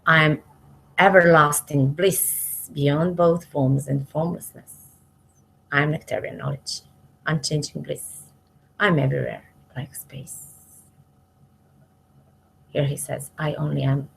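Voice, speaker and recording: A woman reading spiritual verses aloud devotionally, in measured short phrases that trail off softly at the ends. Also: sits low, steady tone, gravelly, slight background noise, poor audio. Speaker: reader of spiritual scripture, commenting as she goes.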